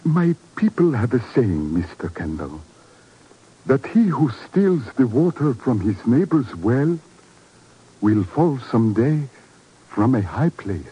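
Slow, husky, grave Arab dignitary. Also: male voice, medium pitch, very animated, dark tone, muffled recording, exaggerated voice. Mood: solemn. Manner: slow, solemn, formal. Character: grave, dignified Arab man quoting proverbs. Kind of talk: 1950s radio drama acting. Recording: old 1950s radio broadcast.

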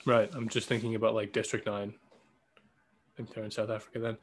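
A man's voice: on the low side, level tone, brisk, a little hiss or hum. A man from Canada with a mild Canadian accent, co-hosting a podcast in playful, rambling, teasing banter. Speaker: podcast co-host. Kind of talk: casual banter.

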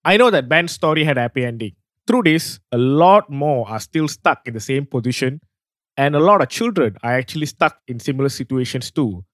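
A man hosting a podcast, reading a scripted outro in an earnest, steady way. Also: mid-range voice, brisk, no room sound, studio quality. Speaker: podcast host.

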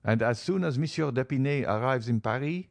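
Guy reading as a proper formal dad type, measured and soothing, dry close mic. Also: medium pitch, lively intonation, gravelly, dry recording, voice pushed up. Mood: measured, placating. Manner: measured and placating.

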